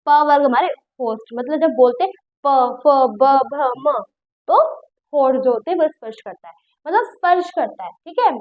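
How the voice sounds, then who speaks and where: A woman's voice: very high voice, highs cut off. A young woman teaching a grammar lesson, explaining step by step, often asking the listener questions and correcting herself as she goes. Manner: explanatory, repeats and checks understanding, corrects herself. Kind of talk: spoken Hindi grammar lesson.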